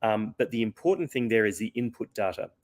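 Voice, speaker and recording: A man being interviewed as a company founder, explaining earnestly with frequent fillers and restarts while his voice is going hoarse. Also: lowish voice, animated, fast talker, a little mellow. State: losing his voice. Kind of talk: conversational interview answer.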